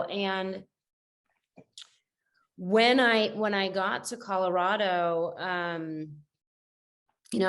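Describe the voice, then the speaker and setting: Reflective middle-aged woman, lowish voice. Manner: reflective, rambling with many fillers and restarts. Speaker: guest. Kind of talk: casual conversational interview.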